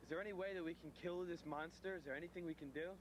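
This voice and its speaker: A teenage boy playing a panicked boy who wants to avenge his friends, talking in an excited, rambling way in a homemade school video. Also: fairly high pitch, racing, natural voice. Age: teens. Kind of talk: amateur school video acting. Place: woods outdoors. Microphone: camcorder mic. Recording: noisy old camcorder tape.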